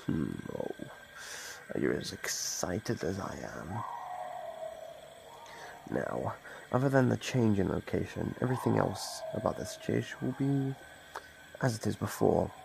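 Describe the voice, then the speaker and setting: Gravelly, taunting monster acted by a man. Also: deep voice, background noise, full character voice. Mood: eager, predatory. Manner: slow, savoring, mockingly polite menace. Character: male monster from under the bed, gleefully predatory, taunting. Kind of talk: ASMR horror roleplay, addressing the listener.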